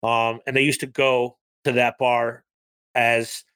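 A man's voice: mid-range voice, flat delivery, takes it slowly, fairly bright tone, clean tone. A man co-hosting a podcast, chatting casually about movies and rambling with lots of ums and likes. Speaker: podcast co-host.

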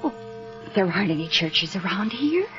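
A woman's voice: mid-range voice, big pitch swings, moderate pace, close to an everyday voice. An actress playing a sweet, frightened young woman in an old-time radio drama, anxious, hesitant and pleading. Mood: uneasy. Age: young adult. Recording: muffled old radio recording, music behind.

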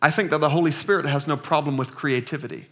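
A man in his thirties, a pastor giving a sermon with slow, emphatic scripture reading and call-and-response to the congregation. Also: a little high, fairly bright tone. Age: 30s.

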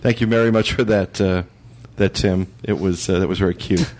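A male podcast host with a very low voice, talking in an easygoing, chatty way. He restarts his sentences now and then as he reads out voicemails. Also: normal speed, a little hiss or hum. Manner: relaxed, chatty, stumbling restarts. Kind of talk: casual podcast chat.

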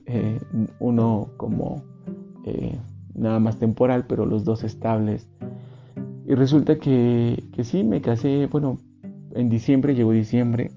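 A man's voice: on the low side, dark tone. A man, telling a personal testimony in an earnest, rambling, reflective way. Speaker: storyteller. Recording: dull recording with faint guitar music.

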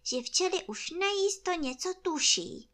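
A woman reading a storybook, voicing a naive, cheerful little honey-loving teddy bear in a high, sing-song, earnestly silly way. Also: animated, fairly bright tone.

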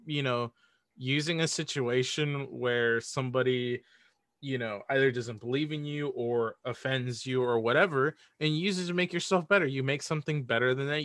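A man with a medium-pitched voice talks as a guest in a casual, opinionated discussion. He is earnest and repeats himself to press a point, in a dry recording. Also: steady tone, moderate pace, fairly bright tone, no room sound. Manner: earnest, repeats phrases for emphasis. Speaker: podcast guest.

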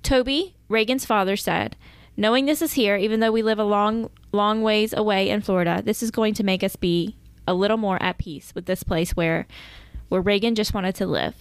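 A woman's voice: medium pitch, fairly even intonation, normal speed, clean tone, no echo. Woman reading case notes on a podcast. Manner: reads case notes, breaks into laughter. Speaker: podcast co-host. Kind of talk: casual true-crime chat.

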